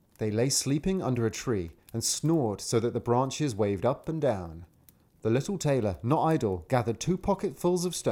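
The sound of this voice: Lively intonation in an unforced reading delivery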